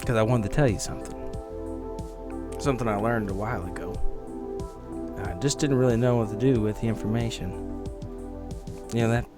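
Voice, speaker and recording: A man's voice: lowish voice, brisk, pauses often, over music, close to an everyday voice. A man voicing a bitter, grieving, hard-drinking husband and father in a tabletop game, guarded and wry. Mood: bitter, vengeful. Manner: guarded, wry, world-weary.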